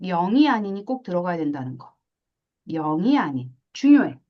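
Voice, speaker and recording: A woman teaching a math class, lively, asking questions and acting out little scenes. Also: fairly low pitch, normal speed, highs cut off. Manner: animated, asks questions and acts out little scenes. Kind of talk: classroom lecture.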